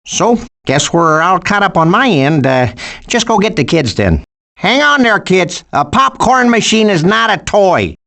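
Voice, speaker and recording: A flustered, folksy cartoon animal father with an Upper Midwestern accent. His pitch moves up and down in a lively way as he hesitates politely, in video game style. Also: unhurried, creaky, exaggerated voice. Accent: Upper Midwestern American.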